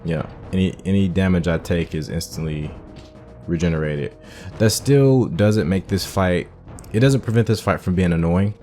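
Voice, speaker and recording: A young man with a very low voice talks through gameplay in a relaxed, explanatory way, dropping fillers as he goes. Faint game music sits underneath. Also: moderate pace. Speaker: gaming channel host. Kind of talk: casual gameplay commentary.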